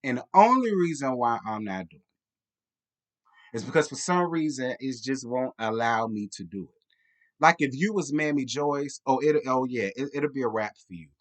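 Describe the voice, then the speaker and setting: A man's voice: medium pitch, lively intonation, moderate pace. Sassy, blunt American man recapping reality TV. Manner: tipsy, rambling. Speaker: reality TV reviewer. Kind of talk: casual comedic TV recap commentary.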